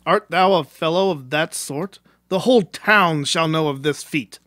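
A woman's voice: low voice, measured pace, a bit bright, no room sound, clean studio sound. A woman playing a boisterous, cocky little male tailor in a storybook audio drama, theatrical and old-fashioned in speech. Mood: proud, boastful. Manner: boastful, theatrical, archaic speech.

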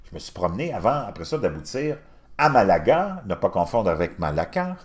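Man, Québécois accent, fifties, low voice, lively swooping intonation, casual storytelling. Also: fast, slight background noise. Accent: Québécois French. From Quebec. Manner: animated, addresses the listener directly.

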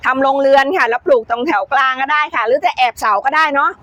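A woman who owns a grape farm, briskly and confidently explaining how she grows grapes in her greenhouse. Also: sits high, sharp tone. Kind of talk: explaining in an interview.

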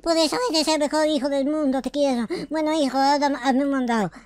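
Man putting on a high-voiced, doting, scolding mother. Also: steady tone, fast talker, no echo, clean studio sound. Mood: tender, cheeky. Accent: Latin American Spanish. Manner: chiding, then doting. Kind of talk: comedic Minecraft roleplay.

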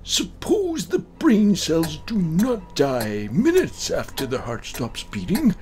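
A man performs an elderly male doctor in a horror tale, genial but insistent. The voice is pitched high and leaps about with theatrical emphasis. He argues slowly and deliberately over clearly audible music. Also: wildly swooping pitch, darkish tone, exaggerated voice. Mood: insistent, excited. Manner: emphatic, theatrical, repeats himself. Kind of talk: dramatized horror story reading.

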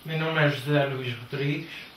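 A man's voice: fairly high pitch, steady tone, moderate pace, a bit bright. A man in his thirties with a São Miguel Azorean accent, telling his story animatedly as an interview guest. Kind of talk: casual TV interview. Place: living room of a house, indoors. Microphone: handheld microphone held by interviewer. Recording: roomy, distant, noticeable background noise.

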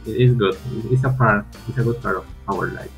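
A man's voice: on the low side, fairly even intonation, fairly quick, soft background music. A man from Peru being interviewed casually on a video call.

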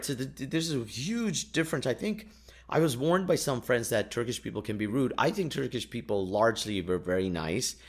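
A man whose first language is Urdu tells anecdotes in a casual, jokey monologue as a podcast host, with wry exaggeration. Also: medium pitch.

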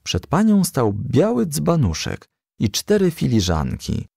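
A man reading a children's story aloud in a gentle storytelling manner. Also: mid-range voice, huge pitch swings, unhurried, vocal fry, breathy edge, no echo, clean studio sound. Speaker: audiobook reader.

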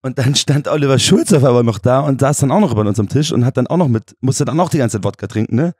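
Man, bavarian accent, rapid-fire delivery, slightly husky, dry close sound, laughing storyteller. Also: mid-range voice, dry recording. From Germany. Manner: fast, animated storytelling, laughs often, many restarts. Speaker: podcast guest. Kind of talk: casual chat.

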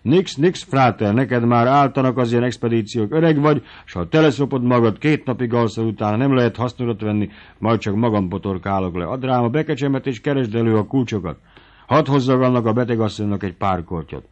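A man voicing an irascible old country squire who barks orders in shouting tirades. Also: mid-range voice, voice pushed up, close to an everyday voice. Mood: gruff. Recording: dull lo-fi audiobook recording.

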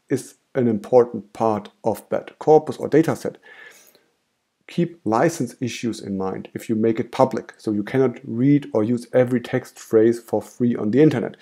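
A man with a German accent, a native German speaker, calmly explaining software steps in a screen-recorded tutorial. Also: mid-range voice, slightly rough. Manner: calm step-by-step explaining. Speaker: tutorial host.

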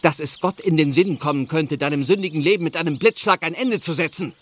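A man's voice: fairly high pitch, fairly quick, natural voice. An actor playing a pious, reproachful village clergyman and long-suffering brother in a German radio play. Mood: stern warning. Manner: earnest, admonishing.

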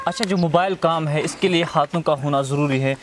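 A man's voice: on the high side, fairly quick, noisy background. A man presents an interview. His delivery is formal and declamatory, like a prepared introduction spoken outdoors. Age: 20s. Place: outdoors on a lawn beside a wooden house.

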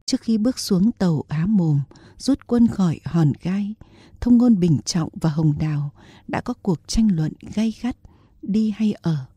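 A woman reads a historical novel aloud in a steady storytelling manner. Her voice is husky with a very dark, mellow tone, recorded close and dry. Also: mid-range voice, unhurried, no room sound. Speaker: audiobook narrator. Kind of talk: scripted novel narration.

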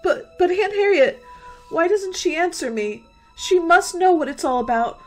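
A young woman playing a frightened, pleading college girl in a suspense radio play, with halting, repetitive delivery. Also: very high voice, expressive, faint music behind. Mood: panicked. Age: young adult. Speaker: radio drama actor.

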